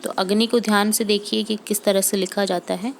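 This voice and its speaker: A woman's voice: medium pitch, fairly even intonation, brisk, gravelly, slight background noise. A woman teacher going through a homework lesson for young pupils, patiently repeating example words and checking in with the class.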